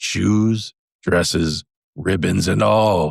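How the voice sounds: Growling, a man performs in a put-on character voice.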